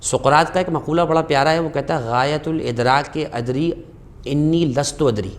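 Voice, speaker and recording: Speaking with a somewhat high voice, this man is a guest scholar on a religious talk program. He tells stories fervently, lifts sharply on key phrases, and recites Arabic quotes slowly.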